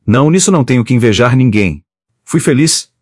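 A man's voice: mid-range voice, animated, fairly quick, darkish tone, no echo, studio quality, lightly acted. A man reading as a gushing newlywed husband. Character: doting, eager newlywed husband.

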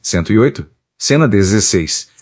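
A man reading a stage play aloud as an audiobook, stage directions included, in a plain, steady voice. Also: lowish voice, moderate pace, no room sound, clean studio sound. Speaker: audiobook reader.

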